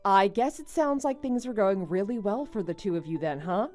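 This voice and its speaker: Casting: actress as betrayed young wife in animated melodrama, sensible and firm, medium pitch with very varied intonation. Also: female voice, moderate pace, faint music behind, natural voice. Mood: politely guarded. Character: indignant, level-headed young married woman, betrayed friend. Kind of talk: melodramatic animated-story voice acting.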